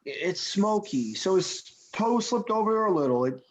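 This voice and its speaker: A woman's voice: medium pitch, lively intonation, a little slow, natural voice, rough recording. A woman acting a laid-back but exasperated male slacker in a script read, casual, hesitant and sweary. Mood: weary, placating. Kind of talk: acted table read of a film script.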